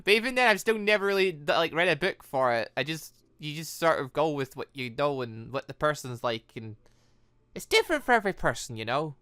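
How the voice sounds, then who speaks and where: Animated, bright-voiced man rambling over a game. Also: a little high, fairly quick, clean tone, dry recording, clean studio sound. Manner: rambling, animated, stammering asides. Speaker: gaming video host. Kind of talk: casual game playthrough commentary, reading dialogue aloud.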